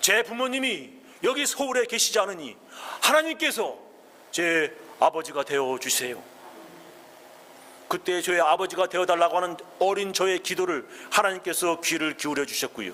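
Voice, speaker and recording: Against noticeable background noise, a man with a high voice and lively intonation speaks at a moderate pace with long, frequent pauses. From South Korea, Chungcheong province, then Seoul. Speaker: pastor. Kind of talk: sermon.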